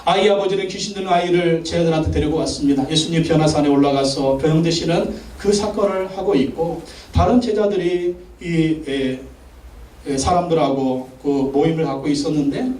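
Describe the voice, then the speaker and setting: Male pastor, high voice, forceful preaching with repeated calls, echoey sanctuary picked up from a distance. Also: animated, fairly quick. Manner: emphatic, commanding declarations; repeats phrases for emphasis. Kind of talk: Sunday sermon. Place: large church sanctuary.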